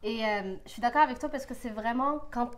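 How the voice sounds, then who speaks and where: A woman hosting a casual interview, agreeing warmly with her guest and asking long, rambling questions. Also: a little high, brisk, a little hiss or hum. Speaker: host.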